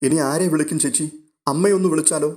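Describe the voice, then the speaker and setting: A man voicing a caring, eager young woman in an audio story, asking quick concerned questions. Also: on the high side, fairly even intonation, darkish tone, natural voice.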